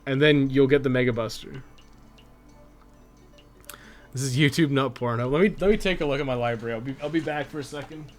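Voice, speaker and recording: Canadian guy streamer just rambling to chat, kinda sweary and irreverent, medium pitch, some music in the background. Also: brisk, long pauses. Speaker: video game live streamer.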